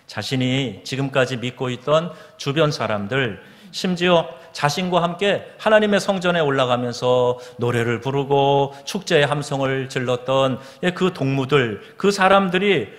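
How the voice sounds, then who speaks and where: A Korean man, a pastor, delivers a Sunday sermon at an ordinary middle pitch. He asks his listeners questions and reads scripture slowly and solemnly. His voice rings out with the long reverb of a church sanctuary. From South Korea.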